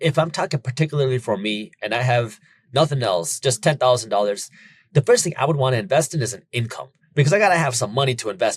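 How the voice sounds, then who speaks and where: Fairly quick, somewhat breathy speech with ordinary pitch variation, in a dry, close sound with no echo. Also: man. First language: not English. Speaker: entrepreneur and finance educator. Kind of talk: interview. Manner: conversational with some repetitions.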